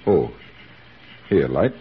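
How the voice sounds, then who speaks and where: Low husky wartime surgeon, commanding, 1940s radio. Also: male voice, very animated, exaggerated voice. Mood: relaxed. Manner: brisk, commanding. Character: brisk wartime army surgeon, male, middle-aged. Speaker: army surgeon captain. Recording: dull old radio recording.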